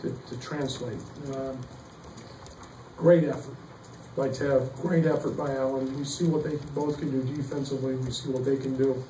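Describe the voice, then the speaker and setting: A middle-aged man, a basketball coach, answering questions at a postgame press conference, halting with many fillers and restarts. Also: mid-range voice, steady tone, warm tone. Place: press room behind a table. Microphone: table mic, heard from some distance. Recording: echoey room, distant mic, faint noise.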